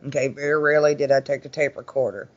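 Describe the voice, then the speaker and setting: The man talks fast in a mid-range voice with fairly even intonation, casually telling stories as an interview guest. A paranormal investigator, he keeps things chatty and folksy, often voicing quoted remarks, on dull lo-fi audio.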